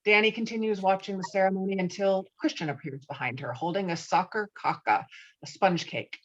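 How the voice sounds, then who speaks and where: A woman's voice: mid-range voice, fairly quick, slight background noise. A woman reading scripted stage directions as narrator at a table read, slightly muffled as on a video call.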